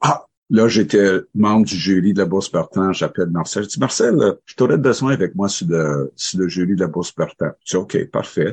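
In a normal speaking voice, a man speaks at a fairly slow pace and a fairly low pitch, with a dry, close sound with no echo. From Northern Ontario, Sudbury area. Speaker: festival spokesperson. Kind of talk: interview.

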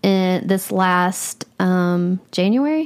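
A woman speaks at medium pitch with a Southern US accent. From Arkansas, Clarksville. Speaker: accountant and jiu-jitsu gym co-owner. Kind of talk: personal testimony in interview.

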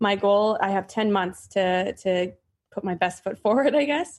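A woman speaks with a western Canadian accent. Her pitch is medium and her pace is fairly slow. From western Canada, Prince George, British Columbia. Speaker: professional triathlete. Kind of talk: interview.

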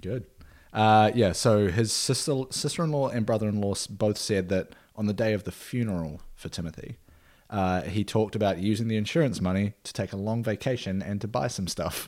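Talking at a fairly quick pace with an Australian accent, a man has a fairly low pitch and ordinary pitch variation. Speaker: podcast co-host. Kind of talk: casual chat.

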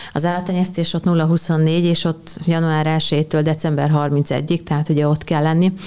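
Over noticeable background noise, a woman with a very deep, low voice speaks fairly slowly in a monotone, flat way, with very even loudness and hardly any pauses. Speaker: farmer and agricultural blogger. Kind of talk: interview.

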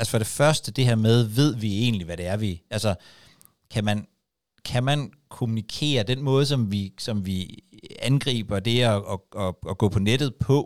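On a very clean recording with a silent background and a dry, close sound with no echo, a man speaks at a medium pitch and a fairly slow pace with ordinary pitch variation. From West Jutland, Denmark. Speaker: podcast host. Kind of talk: interview conversation. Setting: studio. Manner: halting.

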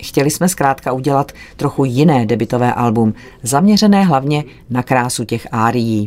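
Speaking with an English accent, the voice moves at a moderate pace with very even loudness. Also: man, medium pitch for a man, lively intonation. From New Zealand, Samoan heritage. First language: English (speaking Czech). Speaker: opera tenor. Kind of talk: interview.

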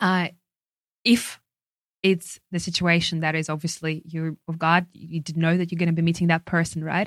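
A woman with a Russian accent speaks at a moderate pace in a fairly low pitch, her intonation monotone and flat. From Siberia, Russia. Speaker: sales professional. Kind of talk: casual interview chat.

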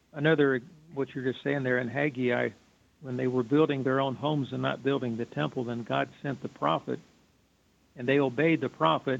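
A man talks in an ordinary speaking voice at a moderate pace. His pitch is medium, with ordinary variation. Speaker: caller. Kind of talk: Bible reading and discussion. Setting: phone call.

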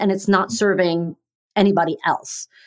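A woman with an unremarkable speaking voice, medium pitch and a moderate pace. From New York. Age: 50s. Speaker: podcast host. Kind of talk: casual chat.

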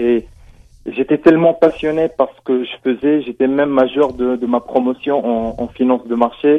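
Here a man talks in a medium pitch at a moderate pace. His intonation stays fairly even. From Tunisia. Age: 20s. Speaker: caller. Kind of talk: call-in question. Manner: halting.

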